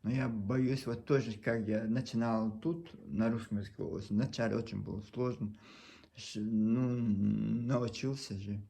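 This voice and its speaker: A low-pitched man with a Chechen accent speaks to his camera in a Russian that is not his mother tongue. His voice is gravelly and mellow. He sounds sincere and pleading, stumbling and circling back as he talks. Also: fairly even intonation. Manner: earnest, pleading, halting with frequent restarts. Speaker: video blogger. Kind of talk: casual monologue to camera.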